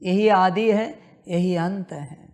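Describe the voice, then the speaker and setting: A woman leading a guided meditation, repeating her instructions in a slow, insistent spiritual talk. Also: lowish voice, darkish tone.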